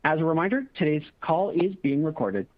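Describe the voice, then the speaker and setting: A man's voice: a little high, sing-song, a little fast, no room sound. A man working as a conference call operator, reading a scripted announcement. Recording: dull lo-fi conference call audio.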